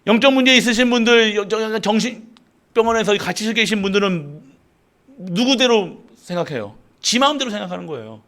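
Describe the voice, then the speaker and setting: A male pastor delivers a sermon in a fairly high voice. He rises into loud emphatic peaks and drops to low asides. He keeps throwing questions out to the congregation. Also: animated, normal speed.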